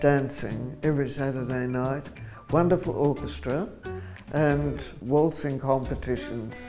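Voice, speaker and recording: Over music in the background, a woman speaks fairly slowly in a very deep, low voice. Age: 80s+. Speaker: war veteran. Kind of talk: interview answer. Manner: warm, engaging.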